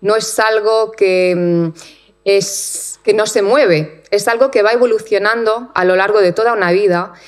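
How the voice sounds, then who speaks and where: Woman giving a measured academic lecture. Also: medium pitch, steady tone. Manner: measured, with frequent fillers and repeated words. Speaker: guest lecturer, researcher. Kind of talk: academic conference talk. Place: lecture hall.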